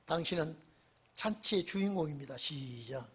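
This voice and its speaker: A male pastor giving an evening church sermon, emphatic and prodding his congregation with repeated questions, swinging between loud bursts and quiet low phrases. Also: expressive, moderate pace, breathy edge. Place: church sanctuary during an evening service.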